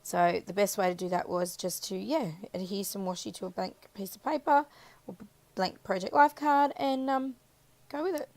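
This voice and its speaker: A woman with a croaky, scratchy voice chatting casually through a crafting voiceover, rambling and correcting herself as she goes. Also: medium pitch, normal speed, a little mellow, no room sound. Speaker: craft video maker. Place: voiceover recorded apart from the footage.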